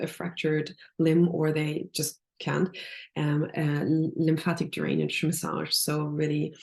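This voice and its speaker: A woman with a deep, gravelly voice explains nutrition as a podcast guest. Her tone is dark and relaxed, and she stops often to rephrase her thoughts. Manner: thoughtful, many restarts and fillers. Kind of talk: casual podcast interview.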